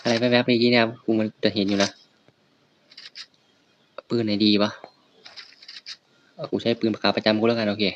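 A man giving loud, excitable and profane commentary while playing a video game. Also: fairly low pitch, normal speed, pauses often, muffled recording, slight background noise. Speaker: gaming streamer. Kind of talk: casual gameplay commentary. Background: faint birds chirping.

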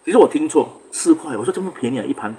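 A man's voice: on the high side, expressive, racing, a little mellow, husky. A man with a Singaporean accent, hosting a livestream and telling a story in casual chat. He acts out quarrels in raised voices and mixes in English words. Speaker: livestream host.

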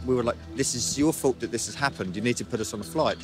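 A man's voice: mid-range voice, fast, over music. A man in his thirties with a New Zealand accent, recounting events bluntly and with indignation in an outdoor interview. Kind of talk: casual interview. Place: outdoors by a harbour.

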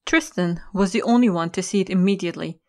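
A woman's voice: fairly low pitch, quick pace, darkish tone. A woman giving scripted narration for an audio drama.

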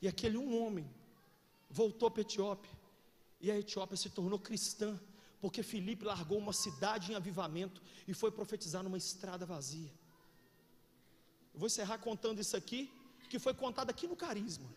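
A Brazilian man preaching a sermon, telling stories with animated swings between shouts and hushed asides. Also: high voice, fairly quick. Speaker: pastor. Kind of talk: sermon with storytelling. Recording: echoey hall with faint noise.

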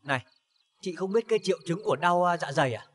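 An easygoing young husband who turns defensive and argumentative. His voice sits high for a man, and he talks fast. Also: animated. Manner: argumentative, quick retorts. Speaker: son in a TV drama.

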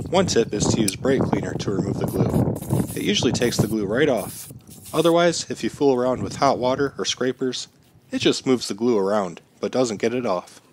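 A man in his thirties hosting a how-to channel, narrating step-by-step instructions in a steady, plain way while slightly sick. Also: medium pitch, a little hiss or hum. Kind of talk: scripted how-to voice-over.

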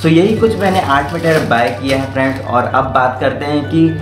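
A young man from central India talks casually to the camera as he shows off his art supplies, slipping English words into his chat. His voice sits at an everyday middle pitch. The room is echoey, with faint music underneath. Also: a little fast. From Raipur, Chhattisgarh, India. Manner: chatty and informal, mixing English words into Hindi. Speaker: art channel host.

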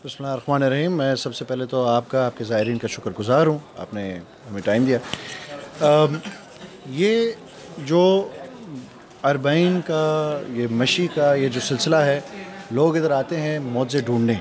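A man, a provincial assembly member, answering interview questions outdoors near a shrine, earnest, with hesitant pauses and English words mixed in. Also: mid-range voice, darkish tone.

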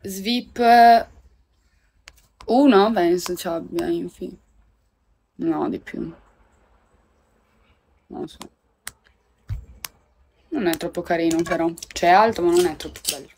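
A woman's voice: fairly low pitch, takes it slowly, creaky, long pauses, darkish tone, a little hiss or hum. A young woman, chatting casually with viewers on a phone livestream from home, swearing and laughing often. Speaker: livestream host. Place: at home indoors.

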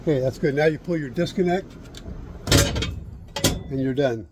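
A man's voice: a little high, normal speed, mellow, muffled recording, slight background noise. A middle-aged man giving a hands-on HVAC how-to outdoors, repeating steps and checking in with "okay?". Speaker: HVAC instructor. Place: outdoors beside an air conditioner unit. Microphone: camera held close, point of view.

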